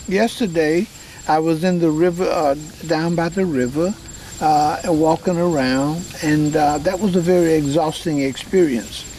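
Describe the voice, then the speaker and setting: Fairly slow, fairly even intonation and very even loudness against noticeable background noise. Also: man, fairly high pitch for a man. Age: 70s. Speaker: war veteran. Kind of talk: interview.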